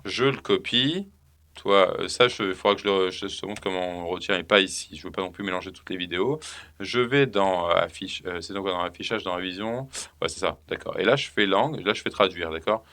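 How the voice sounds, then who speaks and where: A man giving a casual, rambling software tutorial, thinking aloud with lots of fillers. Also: deep voice, fairly quick. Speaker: software trainer. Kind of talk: casual screen-recorded tutorial.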